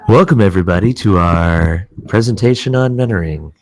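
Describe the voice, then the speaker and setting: A man's voice: low voice, a little fast. A man running a casual webinar sound test at the office, joking and playing with silly voices. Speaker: presenter testing a webinar.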